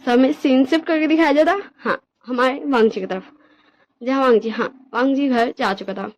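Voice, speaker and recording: A woman's voice: high-pitched, moderate pace, lo-fi sound. A woman casually retelling her own fan story, chatty and mixing in English words.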